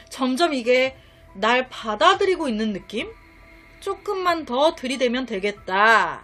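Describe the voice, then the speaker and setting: A woman's voice: sits high, fairly bright tone. A woman telling a crime story in a chatty way, with rhetorical questions and asides on what happens.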